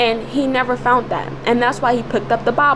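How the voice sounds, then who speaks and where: A woman speaks at a fairly quick pace in a fairly high pitch, with noticeable background noise behind her. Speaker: religious vlogger. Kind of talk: casual monologue. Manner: animated.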